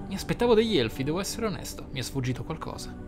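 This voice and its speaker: A man's voice: a little high, very animated, very fast. Man commentating a game over music. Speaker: gameplay host. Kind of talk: playthrough commentary on a roleplaying game. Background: game music behind the voice.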